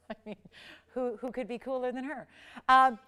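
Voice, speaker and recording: A woman in her forties hosting a live TV jewelry shopping show, delivering an enthusiastic, emphatic sales pitch that keeps circling back to the same selling points. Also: steady tone, a little slow, sharp tone, clean tone. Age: 40s.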